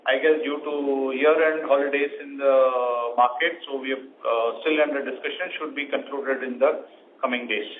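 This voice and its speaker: A man's voice: medium pitch, fairly even intonation, normal speed. Indian man on a narrow, noisy phone line. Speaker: company executive on an earnings call. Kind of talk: unscripted explanation of company finances. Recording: muffled phone conference line, faint noise.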